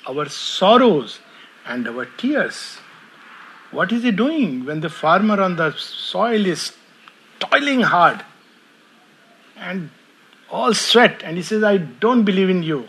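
A man gives a relaxed spiritual talk, weaving in stories and small chuckles. His voice sits a little high for a man and carries a husky, breathy grain. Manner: chuckles often while storytelling. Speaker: spiritual speaker.

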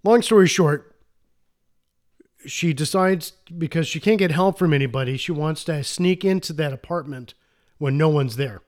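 Male podcast co-host, slightly high voice, chatty and excitable, stumbles and restarts often. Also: moderate pace. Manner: rambling, self-interrupting, enthusiastic. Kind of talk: casual movie recap chat.

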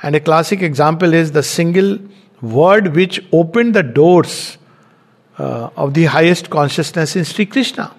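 A man's voice: fairly high pitch, lively intonation, unhurried. A man giving a spiritual teaching talk, explaining his points step by step. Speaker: spiritual lecturer.

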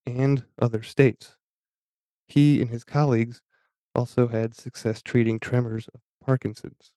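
A man hosting a podcast, talking in a halting, casual way and often stopping to restart his sentences. His pitch stays level with little movement, and his voice has a mellow, dark tone. The recording is close and dry. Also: no echo. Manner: halting, many fillers and restarts. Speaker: podcast host. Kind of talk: casual talk reading aloud from an article.

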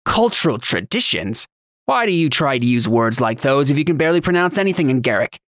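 Male narrator as cocky young hothead labourer; slangy, sneering bully, raised and forceful, fantasy audiobook. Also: mid-range voice, lively intonation, fast, no echo, studio quality, voice pushed up, close to an everyday voice. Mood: contemptuous. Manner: taunting, slangy, swaggering. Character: reckless, mocking young hothead dockworker, a bigoted bully.

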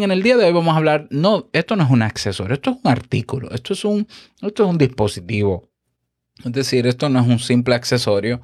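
Male podcast instructor, mid pitch, animated explainer, dead-dry close-mic sound. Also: dry recording. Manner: animated, explanatory, checks in with the listener often. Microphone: close studio microphone with compressor.

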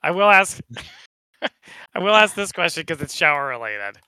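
A man's voice: on the high side, sing-song, measured pace, sharp tone, smooth, no room sound, low-quality recording. A man co-hosting a casual podcast chat, playful and teasing as he poses questions. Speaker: podcast co-host asking questions.

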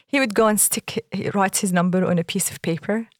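A woman's voice: brisk, dry recording, studio quality. A woman from Saudi Arabia co-hosting a podcast, telling stories animatedly and laughing often. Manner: animated storyteller, laughs often, lively pitch jumps. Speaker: podcast co-host. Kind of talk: casual podcast conversation.

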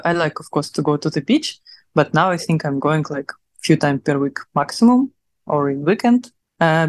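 A woman's voice: deep voice, dry recording. A young adult woman from Russia speaking English with a Russian accent, chatting as an interview guest with many fillers and laughs. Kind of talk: casual interview chat.

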